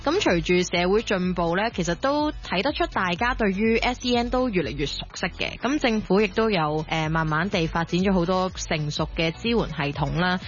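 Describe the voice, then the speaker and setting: A woman's voice: on the low side, moderate pace, few pauses, muffled recording. A woman with a Hong Kong Cantonese accent co-hosting and asking questions in a conversational style. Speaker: radio co-host. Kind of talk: conversational interviewing.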